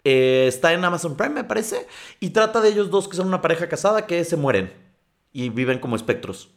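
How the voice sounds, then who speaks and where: A man's voice: on the high side, very animated, a little fast. A man hosting a podcast in casual chat, reading listener stories aloud, often stumbling and wandering off into his own comments. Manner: digressive, stumbles while reading and comments as he goes. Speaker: podcast host.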